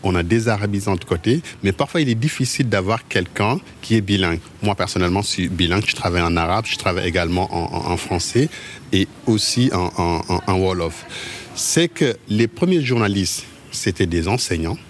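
A low-pitched man from Mauritania talks through interview answers. He is a journalist who halts often and repeats little words while he gathers his thoughts, with faint background noise around him. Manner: halting, with frequent word repetitions.

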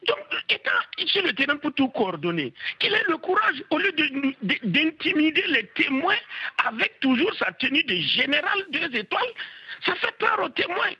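A man's voice: very high-pitched, very animated, pushed and bright. A male caller on a radio call-in show, speaking with passion and pleading, often stumbling and restarting his words. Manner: impassioned, pleading, halting restarts. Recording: dull phone line.

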